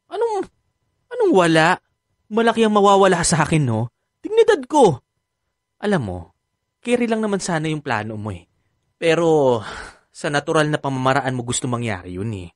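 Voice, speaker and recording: A man's voice: fairly high pitch, huge pitch swings, moderate pace, long pauses, no room sound, studio quality. An actor playing a sassy, dramatic, effeminate gay man in a radio drama, with a Filipino accent and campy, exasperated delivery. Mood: flustered, protesting.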